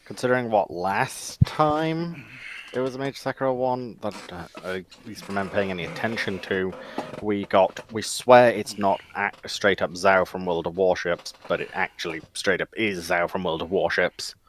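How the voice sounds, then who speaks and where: A man's voice: deep voice, normal speed, no room sound. A man chatting casually as a panel guest, musing and hesitant as he thinks aloud. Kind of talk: casual chat.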